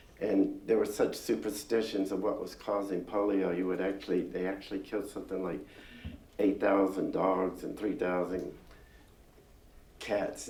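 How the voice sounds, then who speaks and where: In an American accent, a man with a very deep, low voice talks at a moderate pace with fairly even intonation, and audible room echo surrounds him. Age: 70s. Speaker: virologist, scientist speaker. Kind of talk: lecture.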